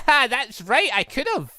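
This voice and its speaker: Someone putting on a cheeky, animated young woman. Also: medium pitch, slow pace, dry recording, faint music behind, pitched above the performer's own voice, exaggerated voice. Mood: playful, cheeky.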